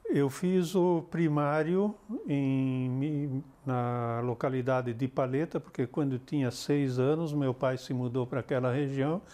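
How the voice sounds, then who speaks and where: An older man with a southern Brazilian accent, recollecting in a measured, explanatory, conversational way as an interview guest. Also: medium pitch, steady tone, dark tone. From Santa Catarina, southern Brazil. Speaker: interview guest, retired army colonel.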